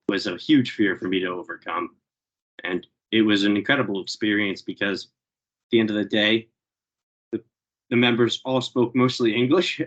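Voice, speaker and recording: A man telling a personal story to an online meeting, reflective and a little halting. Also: lowish voice, a bit bright, dull audio. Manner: reflective, with fillers and restarts. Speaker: meeting speaker. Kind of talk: personal story told to a group.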